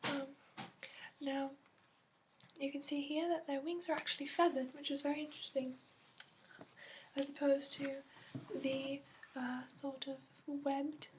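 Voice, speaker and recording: A woman with a high, soft voice that often slips toward a whisper, performing an ASMR roleplay in a put-on accent. She explains things gently and haltingly, pausing often like a patient guide. A noticeable faint hiss sits under the recording. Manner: gentle, halting, unhurried explaining with many pauses. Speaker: ASMR roleplay host playing a dragon expert.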